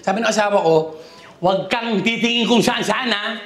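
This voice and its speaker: A man from the Philippines doing an animated stand-up comedy set, laughing as he acts out quotes at a live venue. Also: sits high, normal speed. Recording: echoey hall with loud crowd.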